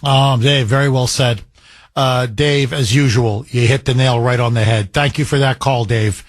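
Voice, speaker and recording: A man's voice: mid-range voice, steady tone, moderate pace, no echo. A man hosting a talk radio show, taking callers and delivering emphatic commentary with repeated words.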